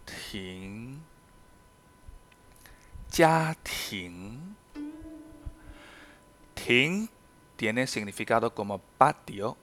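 Man, native Chinese speaker, podcast language teacher; very slow, careful, patient delivery. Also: on the low side, fairly bright tone. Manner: slow, careful enunciation of example sentences.

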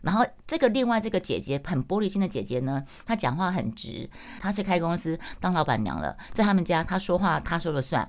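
Low-voiced, lively woman. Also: brisk, few pauses. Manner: animated, acts out dialogue in changing voices; self-mocking, chatty. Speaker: livestream host. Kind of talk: casual storytelling chat.

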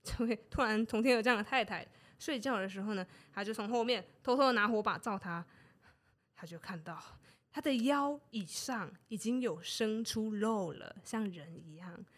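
A woman's voice: a little high, normal speed. A woman co-hosting a casual podcast, retelling an old story with laughs and playful acted-out lines. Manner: lively, acts out characters' lines with laughs. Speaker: podcast co-host.

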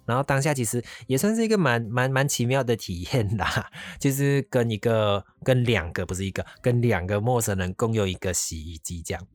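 A man's voice: medium pitch, lively intonation, a little fast, few pauses, no echo. Chatty man. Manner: rambling, chatty, slips into English phrases. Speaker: vlogger. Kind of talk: casual travel storytelling.

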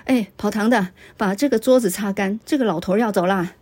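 A woman's voice: mid-range voice, a little fast, darkish tone, slightly rough, lightly acted. A woman voicing a brutish male salt smuggler who hurls coarse, swaggering threats. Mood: menacing.

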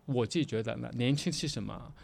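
Male interview guest, mid-pitched, conversational and halting, drops in English words. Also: gravelly, a little mellow. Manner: halting, repetitive, mixing English words into Mandarin.

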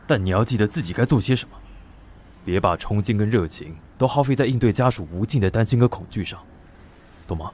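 An actor playing a firm, world-weary but caring police squad leader in a Taiwanese-accented audio drama. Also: male voice, on the low side, lively intonation, fairly quick, a little mellow. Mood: weary, admonishing. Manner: authoritative, instructing subordinates. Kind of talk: Mandarin audio drama acting.

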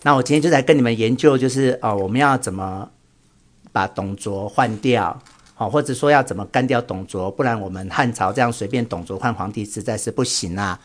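A man voicing a scheming old official in a casual story retelling, speaking softly and earnestly. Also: medium pitch, brisk, close to an everyday voice.

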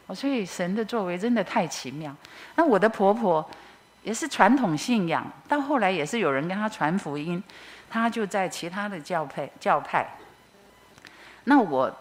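Animated Taiwanese woman telling a testimony. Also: lowish voice. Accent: Taiwanese Mandarin. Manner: animated, expressive storyteller. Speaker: church member giving a testimony. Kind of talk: personal testimony storytelling.

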